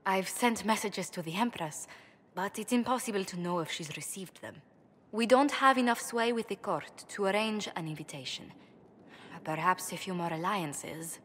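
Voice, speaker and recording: A woman playing a poised, diplomatic fantasy game ambassador, measured and formal. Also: mid-range voice, fairly bright tone, slightly rough. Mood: measured concern. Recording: long hall reverb.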